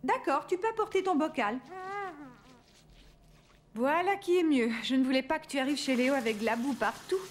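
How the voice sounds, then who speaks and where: A woman's voice: high voice, normal speed, pauses often, slight background noise, natural voice. A woman voicing a caring, cheerful young mother in a children's cartoon.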